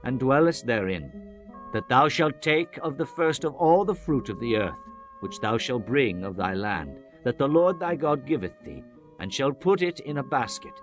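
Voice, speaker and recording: Male audiobook narrator for scripture: solemn, measured, declamatory, mid-range pitch, faint music underneath. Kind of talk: dramatized scripture reading, archaic English. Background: background music.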